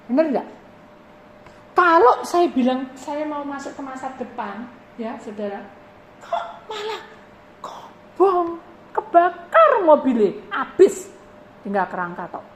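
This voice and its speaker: Woman pastor, animated sermon. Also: fairly high pitch. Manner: animated storytelling, acting out voices in dialogue. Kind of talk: sermon testimony. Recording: noisy live recording.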